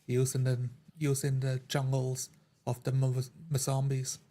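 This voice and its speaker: A man playing a tabletop roleplay game, speaking in character in a measured, deliberate and rather formal way. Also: medium pitch, monotone, dark tone.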